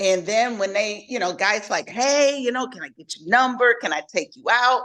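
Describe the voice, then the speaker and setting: Fairly slow and fairly high, a woman's voice is an unremarkable speaking voice, its pitch varying in an ordinary way. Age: 60s. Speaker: podcast co-host, widow dating again. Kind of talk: casual chat.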